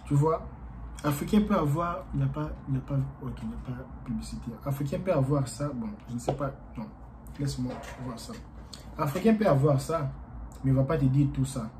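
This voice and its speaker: A man whose first language is Portuguese, talking casually to his viewers as a YouTuber in a rambling, halting way with many fillers. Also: mid-range voice, a little mellow, slight background noise, low-quality recording.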